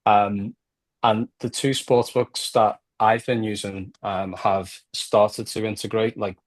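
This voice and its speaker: A man's voice: on the low side, dry recording. A man with a Liverpool accent talking casually and explaining things on a podcast, often checking in with "right?". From Liverpool, England. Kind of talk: casual conversational podcast discussion.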